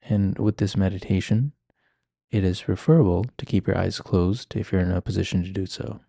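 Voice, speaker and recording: A man leading a guided meditation in a calm, gentle, measured manner. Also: low voice, vocal fry, dry recording, studio quality. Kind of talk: guided meditation, ASMR-like instruction.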